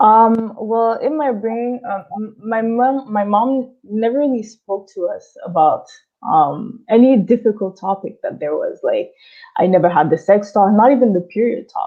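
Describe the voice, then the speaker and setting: A woman with a plain, everyday voice speaks at a fairly slow pace, her fairly high pitch showing ordinary variation. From Montreal, Canada. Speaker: panelist. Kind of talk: panel discussion.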